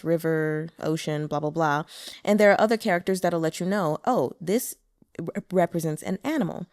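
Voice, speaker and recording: A woman's voice: mid-range voice, darkish tone, dry recording. Lady narrator just chatting about words between chapters, dead dry sound. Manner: chatty, explains Mandarin terms, laughs often. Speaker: audiobook narrator. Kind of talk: casual commentary between chapters.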